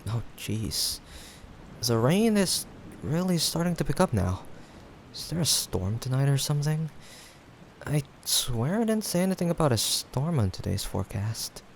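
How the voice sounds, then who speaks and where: A young man playing a playful, caring friend in a casual improvised audio roleplay, teasing yet reassuring, with hesitant pauses. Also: medium pitch, sing-song, gravelly. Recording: faint background noise, rain ambience. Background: rain sound effects.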